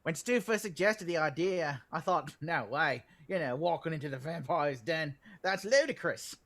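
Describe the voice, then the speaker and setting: A man's voice: fairly high pitch, animated, moderate pace, fairly bright tone. A man playing a self-assured werewolf pack leader, giving a matter-of-fact documentary voiceover in a comedy table read.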